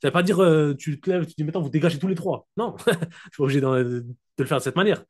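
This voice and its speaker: Brief: man, slightly high voice, casual direct coach, video call mic, dictates key points slowly. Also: a little mellow. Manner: casual, direct, keeps asking listeners if they follow. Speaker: network marketing coach. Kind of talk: motivational coaching talk. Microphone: computer mic on a video call.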